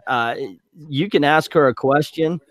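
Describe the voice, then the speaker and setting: A man's voice: fairly high pitch, unhurried, no echo, clean studio sound. A man in his forties chatting casually on a stream, joking and self-deprecating. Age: 40s. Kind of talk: casual chat.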